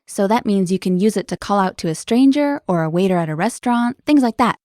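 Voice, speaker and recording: A woman hosting a language lesson, explaining words clearly in an upbeat, scripted way. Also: mid-range voice, lively intonation, fast talker, a little mellow, dry recording, clean studio sound.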